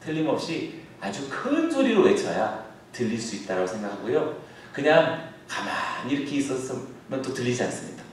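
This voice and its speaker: A male pastor preaching a sermon, now and then bursting into shouted calls as he acts out a scene. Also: mid-range voice, sing-song, normal speed, a little hiss or hum. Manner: acts out shouted calls across the water, then drops to a soft aside. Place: church sanctuary. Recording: echoey church hall, heard from a distance.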